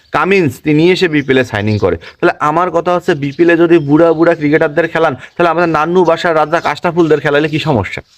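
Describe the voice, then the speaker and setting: This man's voice is fairly high in pitch. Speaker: cricket news youtuber. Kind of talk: casual opinion monologue. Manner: animated.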